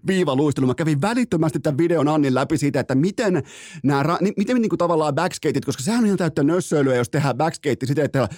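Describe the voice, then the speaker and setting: A man's voice: fairly high pitch, animated, a little mellow, dry recording, clean studio sound. A man hosting a sports podcast, ranting in a theatrical, profane, mock-outraged way and stretching words out for emphasis. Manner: drawn-out emphatic phrasing. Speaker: podcast host. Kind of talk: comic sports rant.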